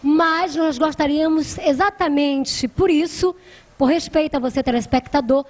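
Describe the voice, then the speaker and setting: A woman's voice: sits high, moderate pace. A Brazilian woman hosting a live TV talk show, chatty and making appeals to viewers. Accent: Brazilian Portuguese.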